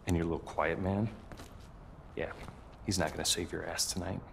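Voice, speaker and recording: Low creaky male voice, hard contemptuous policeman, game cutscene, faint noise. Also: steady tone, normal speed, fairly bright tone. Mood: contemptuous, bitter. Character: menacing, bitter, contemptuous tough middle-aged cop. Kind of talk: video game cutscene acting.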